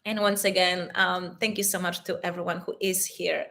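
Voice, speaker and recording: A woman from Poland with a Polish accent, hosting a live stream as an intimacy coach and answering chat questions warmly and with frequent laughter. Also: lowish voice, little pitch movement, moderate pace. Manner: warm and affectionate, calls viewers "my loves", laughs often.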